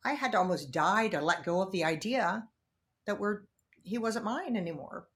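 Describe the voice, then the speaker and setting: A woman's voice: mid-range voice, lively intonation, moderate pace, a bit bright. A woman co-hosts a casual podcast chat with a mid-range voice. She speaks earnestly and with emphasis, building her point step by step. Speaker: podcast co-host.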